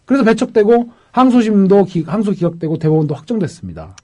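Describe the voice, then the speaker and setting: A man, a defense lawyer, telling a case story in a lively panel talk and acting out the people he quotes. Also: high-pitched, quick pace.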